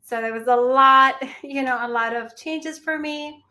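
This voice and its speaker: A woman's voice: high voice, unhurried, sharp tone. A young adult woman from Peru, a mindfulness teacher answering interview questions in an earnest, reflective way. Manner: earnest, reflective, with restarts and small laughs.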